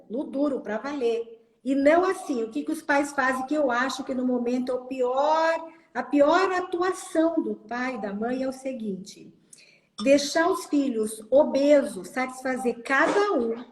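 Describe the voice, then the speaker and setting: A woman hosting an interview, giving emphatic, lively advice in casual chat. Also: sits high, a little slow. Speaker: host. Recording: echoey room.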